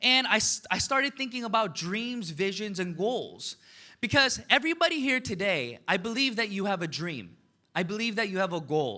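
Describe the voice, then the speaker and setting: This man speaks at a moderate pace in a high, bright, sharp voice that is raised and projected, his animated tone making very wide pitch swings on a very clean recording with a silent background. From United States, Korean immigrant family. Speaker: network marketing speaker. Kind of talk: motivational seminar talk.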